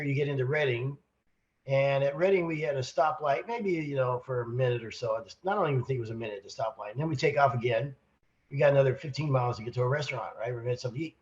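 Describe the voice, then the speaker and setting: Hoarse man telling a rambling story. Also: medium pitch, lo-fi sound. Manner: rambling, animated storyteller with restarts. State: hoarse with a cold. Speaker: podcast co-host, sales manager. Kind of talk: casual storytelling chat.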